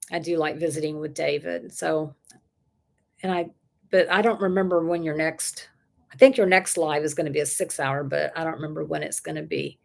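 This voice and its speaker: A woman's voice: sits low, gravelly, a little mellow. A woman, chatting casually on a livestream and reading viewer comments aloud, rambling and laughing often. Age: 60s. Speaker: livestream host.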